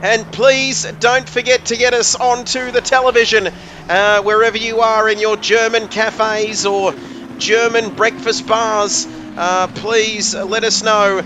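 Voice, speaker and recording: A man's voice: high voice, level tone, unhurried, noisy background. A man commentating a sim race, joking and rambling with his co-host. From Australia. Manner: jokey, rambling banter with co-host.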